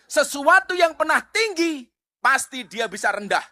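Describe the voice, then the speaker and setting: Animated male preacher with Javanese accent. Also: very high voice, measured pace. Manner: animated, rhetorical questions, switches into Javanese asides. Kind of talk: sermon.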